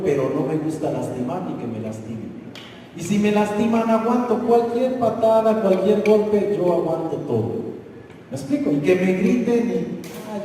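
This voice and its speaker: A man preaching in a high, mellow voice, talking to his congregation as if in conversation and quizzing them. He is picked up from a distance in a large, echoing church hall with long reverb. A faint ambient hum sits underneath. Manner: conversational, asks the congregation questions, rising to shouts. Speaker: pastor. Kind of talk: sermon.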